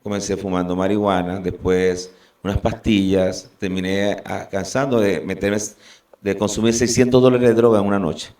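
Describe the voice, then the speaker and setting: A man from Venezuela giving an earnest, halting personal testimony as a guest. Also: low-pitched, fairly even intonation, a little mellow, distant mic.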